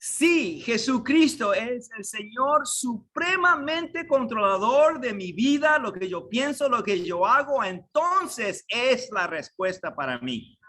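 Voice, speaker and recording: High-voiced man preaching a sermon. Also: sing-song, slow pace, few pauses, pushed and bright. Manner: earnest, emphatic, rhetorical questions to congregation. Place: church sanctuary.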